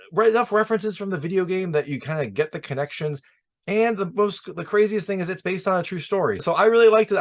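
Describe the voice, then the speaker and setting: Casual man giving an emphatic movie review. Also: fairly high pitch. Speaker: film reviewer and host.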